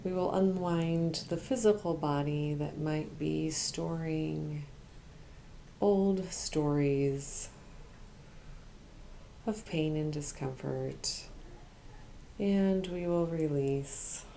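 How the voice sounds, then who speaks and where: Female meditation guide, low and very creaky, soft and soothing, drifting toward a whisper, faint hiss behind. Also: poor audio. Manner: hushed, soothing, slow with long pauses, at times whispering. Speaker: Reiki practitioner and meditation guide.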